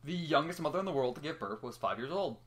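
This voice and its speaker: A young adult's casual story reading comes through at a medium pitch, fast and with lively intonation. They stumble sometimes and fill the gaps between passages with teasing and swearing, all against noticeable background noise.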